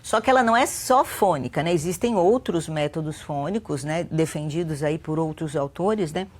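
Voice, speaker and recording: A woman's voice: sits low, moderate pace. A Brazilian woman educator with a Brazilian Portuguese accent, explaining a teaching method patiently and often checking in with her listener. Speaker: guest educator. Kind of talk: explanatory interview talk.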